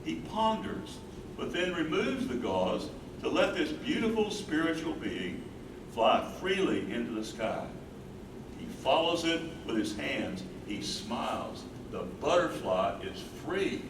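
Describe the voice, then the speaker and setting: Recorded far from the mic in a noisy, roomy space, a man plays a smitten young college student in a stage drama. He is earnest, and his voice sits rather high. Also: very animated, takes it slowly, full character voice. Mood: reverent storytelling. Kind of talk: staged play reading. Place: indoor venue at a live staged reading. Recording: roomy, distant stage recording with clear noise.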